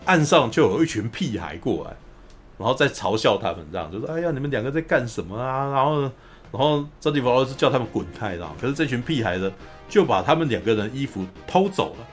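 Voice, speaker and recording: A man chats through a film plot at a rapid clip, as the host of a casual podcast. His voice sits at an everyday middle pitch. He tells it with lively animation, often acting out the lines. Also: soft background music. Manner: animated storyteller, often acts out quotes. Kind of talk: casual film recap chat.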